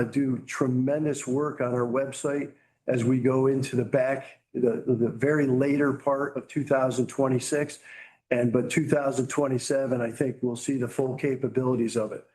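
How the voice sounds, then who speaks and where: A man's voice: medium pitch, little pitch movement, moderate pace, warm tone, low-quality recording. A man speaking as a company executive, giving business commentary in answer to questions on an earnings call.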